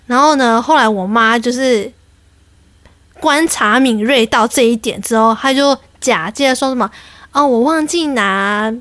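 A young adult woman tells a story on her podcast in an animated, exasperated way. Her voice is high. The recording is dry and close. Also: moderate pace, dry recording. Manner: animated, exasperated, quotes people. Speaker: podcast host. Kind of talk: casual storytelling.

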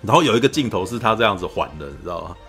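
Podcast host, male, lowish voice, rapid animated storytelling. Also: creaky, soft background music. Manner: animated storyteller, keeps asking "you know?". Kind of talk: casual film review chat.

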